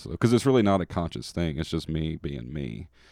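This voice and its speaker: A man's very deep, low voice with a Southern US accent, in a very clean recording with a silent background. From Mississippi, Calhoun County. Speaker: musician. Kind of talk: casual interview.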